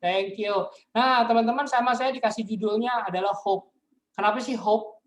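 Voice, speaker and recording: A man's voice: sits high, fairly even intonation, normal speed, slight background noise. A man, telling stories casually as a motivational business speaker on a video call, often turning to address his listeners as friends. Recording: echoey room sound.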